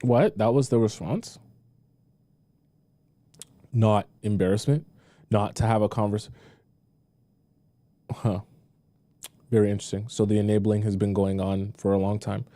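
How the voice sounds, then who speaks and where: American guy streamer reacting, soft dark tone, keeps questioning stuff, dry room sound. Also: fairly low pitch, steady tone, a little slow, long pauses, dry recording. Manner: questioning, incredulous, repeats himself. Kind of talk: casual reaction commentary.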